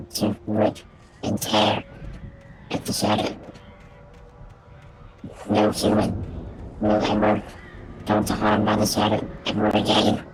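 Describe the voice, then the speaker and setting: A woman's voice: rumbling low, background noise, pitched below the performer's own voice, heavily acted. A woman streamer talking through a robot voice changer filter, playing a solemn, self-important robot that speaks in a stiff, formal way. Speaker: game streamer.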